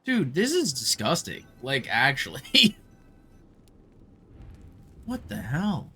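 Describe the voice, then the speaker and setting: A streamer giving casual live gameplay commentary in an informal, expressive way, with plenty of swearing. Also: mid-range voice, takes it slowly, slightly rough. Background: game music.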